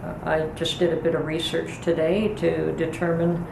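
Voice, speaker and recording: A middle-aged woman hosting a homestead vlog, chatting calmly and thoughtfully from her home kitchen. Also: sits low, vocal fry. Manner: calm, unhurried, thoughtful with pauses. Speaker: homestead channel host. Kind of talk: casual kitchen vlog chat. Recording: echoey room with noticeable background noise.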